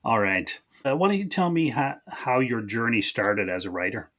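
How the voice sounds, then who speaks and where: A man's voice: medium pitch, very animated, moderate pace, a bit bright. A man hosting a podcast interview in a casual, informal way, often dropping in short affirmations.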